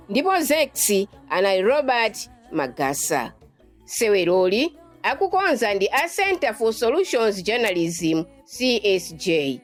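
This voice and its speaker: A woman with a Malawian accent presenting a radio drama programme in scripted announcements, deliberate when reading out lists and numbers. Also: mid-range voice.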